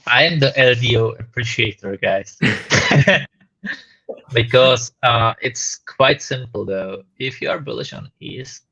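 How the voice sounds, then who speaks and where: A man's voice: medium pitch, takes it slowly, gravelly, sharp tone, husky, no echo. Muffled man on a remote call. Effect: muffled, as if through a wall. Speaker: panelist on a live market show. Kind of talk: casual panel chat. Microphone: remote call away from home. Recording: dull muffled call audio.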